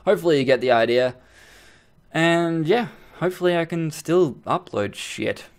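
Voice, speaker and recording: A man's voice: a little high, expressive, normal speed, clean tone. A young man giving a casual, rambling update about his gaming channel, with many ums and restarts and casual swearing.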